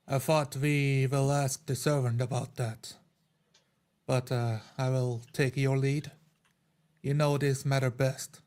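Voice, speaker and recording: A man voicing a stoic, loyal adventurer in a tabletop game, with formal, spare, deliberate speech. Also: mid-range voice, flat delivery, darkish tone, natural voice. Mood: calm, reassuring. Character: stoic, loyal, plain-spoken male adventurer.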